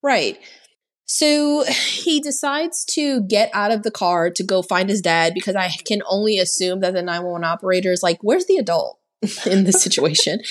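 A woman co-hosting a podcast, recapping a horror movie in a chatty, sarcastic way and saying "like" a lot. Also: medium pitch. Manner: chatty and sarcastic, heavy use of "like". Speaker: podcast co-host. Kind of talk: casual film recap.

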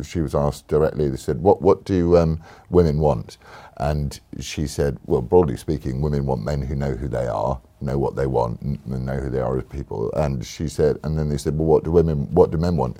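A man hosting a casual political chat, animated and jokey, with sudden mocking asides. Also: a bass voice. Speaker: interviewer and podcast host.

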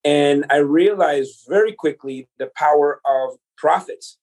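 A man's voice: a little high, measured pace, a little mellow. A man in his forties from El Salvador, a podcast guest telling his life story in an earnest, motivational way. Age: 40s. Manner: earnest, motivational, speaks to the listener directly. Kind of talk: conversational storytelling.

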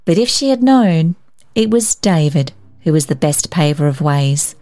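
Lady reading an old story out loud, lowish voice, bit of music. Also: expressive, measured pace, no room sound. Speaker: story narrator and podcast host. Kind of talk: expressive scripted literary narration.

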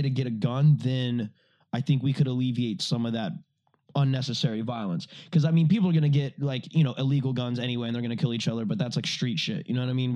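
Male podcast co-host, average pitch, crude animated raconteur. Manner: profane, animated storytelling. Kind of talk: casual chat.

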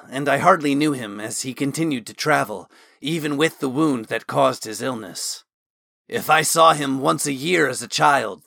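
Guy putting on a stern young warrior, flat and guarded, then snapping into yelling, kinda different tone from the narration. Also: medium pitch, vocal fry, dry recording, studio quality, full character voice. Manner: flat, reserved speech turning to furious shouting. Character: stoic young male warrior, storm-tempered.

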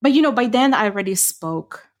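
A woman's voice: mid-range voice, expressive, fairly quick. Middle-aged woman, thoughtful. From Ukraine. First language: Ukrainian. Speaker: podcast co-host. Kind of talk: casual chat.

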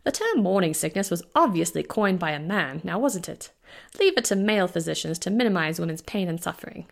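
A woman voicing a brisk, wry older woman doctor with a British accent and a dry, teasing manner. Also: on the high side, sing-song, vocal fry, voice pushed up.

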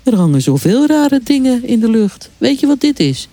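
Woman doing a chatty sand crab from a kids story, high and bouncy, cheerful fixer type. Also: sing-song, normal speed, dry recording. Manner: bright, breezy, eager.

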